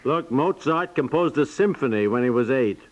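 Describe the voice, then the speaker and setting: An actor playing a practical, soft-hearted husband and proud father in a 1950s radio domestic comedy, folksy and stammering as he repeats himself. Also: mid-range voice, expressive, normal speed, close to an everyday voice. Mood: reluctant. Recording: muffled 1950s radio recording.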